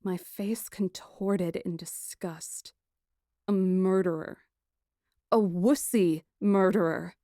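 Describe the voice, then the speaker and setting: A woman narrating a first-person fantasy audiobook in an expressive, dramatic and deliberate storytelling style. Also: fairly low pitch, no room sound, clean studio sound.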